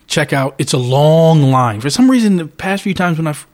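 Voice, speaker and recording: A man's voice: on the high side, normal speed. Rambling man telling a story. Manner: rambling, repeats words, animated retelling. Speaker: podcast co-host. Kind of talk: casual chat, storytelling.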